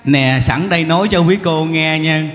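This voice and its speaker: A man's voice: a little high, moderate pace. A man with a Southern Vietnamese accent, a monk giving a humorous sermon full of stories, teasing the audience and acting out characters. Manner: animated, teasing, acts out characters. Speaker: monk giving a dharma talk. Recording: echoey hall, faint background noise.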